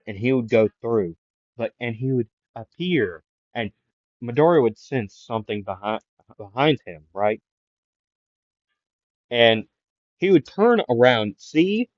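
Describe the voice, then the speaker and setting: Slow rambling male storyteller. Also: medium pitch, darkish tone, dry recording, highs cut off. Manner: rambling, self-interrupting, filler-heavy. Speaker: fan storyteller. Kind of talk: casual improvised fan story narration.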